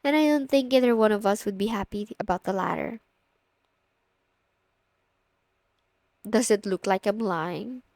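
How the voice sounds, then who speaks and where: A woman's voice: medium pitch, a little fast, a little mellow, dry recording, studio quality, close to an everyday voice. A young woman playing a confident, teasing older sister of a best friend in an intimate, casual ASMR roleplay spoken to the listener. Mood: playfully insistent.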